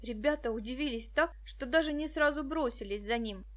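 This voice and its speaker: A woman narrating an audiobook in a lively storytelling manner. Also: sits high, a little fast. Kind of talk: scripted narration.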